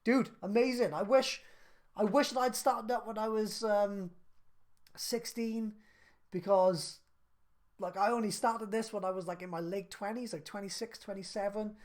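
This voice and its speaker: A man's voice: sits high, fairly even intonation, moderate pace, darkish tone. Laid-back man answering viewer questions. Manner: laid-back and chatty, lots of fillers. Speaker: craft business live streamer. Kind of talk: live stream Q&A, reading viewer questions.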